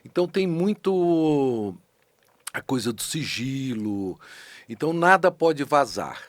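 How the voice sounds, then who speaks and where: A middle-aged man with a Brazilian Portuguese accent, a voice actor being interviewed in a studio, speaking thoughtfully and with lively emphasis. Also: medium pitch, slow, no echo. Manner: thoughtful, animated, with frequent restarts and rising emphasis. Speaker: voice actor and dubbing director, guest. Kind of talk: casual conversational interview. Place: podcast studio.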